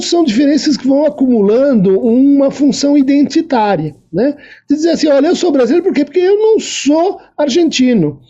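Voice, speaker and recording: A man's voice: high-pitched, dull audio. A Brazilian man, a psychoanalyst guest, explaining ideas in a podcast interview. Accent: Brazilian Portuguese. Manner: explanatory, lively intonation.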